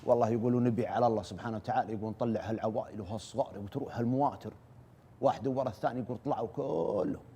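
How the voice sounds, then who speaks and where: A man retelling a war story as an oral storyteller, brisk and earnest, repeating "he says" as he goes. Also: fairly low pitch, dark tone, breathy edge.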